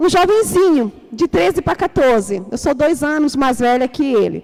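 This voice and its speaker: A woman's lively intonation comes through with noticeable background noise. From Brazil, Manaus, Amazonas. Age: 40s. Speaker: pastor. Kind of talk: sermon.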